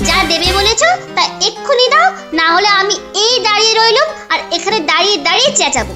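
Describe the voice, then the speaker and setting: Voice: very high-pitched, lively intonation, fast talker. A performer voicing a stubborn, naive little boy in a cartoon, whiny and insistent. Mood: stubborn, demanding. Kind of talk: cartoon voice acting. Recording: music behind the voice.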